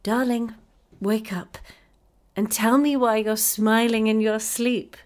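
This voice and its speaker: A cheerful, loving mother in a storybook, brisk and teasing in her warmth, voiced by a woman reading aloud. She sounds a touch higher than the plain narration. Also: steady tone. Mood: tender.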